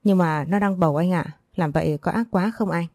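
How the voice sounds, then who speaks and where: A woman's voice: fairly low pitch, brisk, darkish tone, no echo. A woman voicing a hesitant young male henchman who questions his boss in an uneasy tone.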